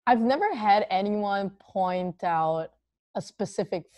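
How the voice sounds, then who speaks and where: A young woman from Singapore with a deep voice, hosting a casual podcast chat in an upbeat, chatty way full of fillers. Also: lively intonation, slow pace, darkish tone, dry recording. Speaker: podcast host.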